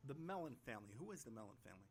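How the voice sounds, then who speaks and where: A man's voice: mid-range voice, very animated, husky. A man hosting a podcast, talking casually and enthusiastically with lots of fillers. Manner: fast, enthusiastic, frequent laughs and fillers. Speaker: podcast host. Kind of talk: casual interview chat.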